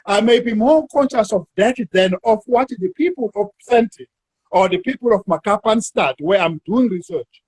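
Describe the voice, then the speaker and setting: A South African man, a university academic, talking through an academic discussion in a measured way and drawing words out while he thinks. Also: high-pitched, lively intonation, darkish tone, breathy edge, no room sound.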